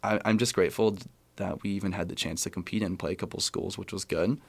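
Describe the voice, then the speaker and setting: A man's voice: low voice, steady tone, quick pace, vocal fry, dry recording. A young American man from California, a college athlete chatting casually and in a rambling way as a podcast guest. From California, USA. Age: young adult, about 20. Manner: conversational, rambling, self-correcting. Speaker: college tennis player, interview guest.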